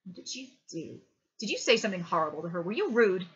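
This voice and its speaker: A woman voicing a stern, short-tempered father who scolds his young son and rises to shouting. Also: medium pitch, very animated, fairly quick, dull audio, a little hiss or hum. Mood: angry.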